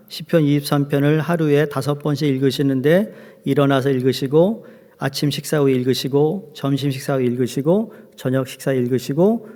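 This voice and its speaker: A man's voice: mid-range voice, mellow. A man preaching a sermon as pastor, joking with his congregation. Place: church sanctuary. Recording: long hall reverb.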